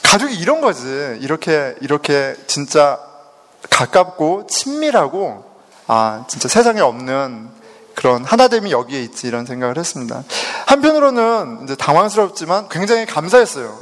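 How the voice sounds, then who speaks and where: A middle-aged man from South Korea tells a personal story to an audience, laughing as he goes. His voice is on the higher side and moves a lot in pitch. It rings with a long reverb, as if recorded in a large hall. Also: normal speed. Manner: animated storytelling, laughing often. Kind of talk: personal testimony.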